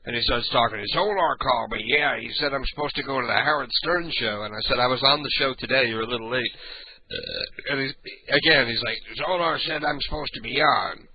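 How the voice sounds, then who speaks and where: Brisk and congested, an older radio host with a booming, raspy voice rambles through casual, profane late-night talk and keeps clearing his throat. The recording is muffled, with slight background noise.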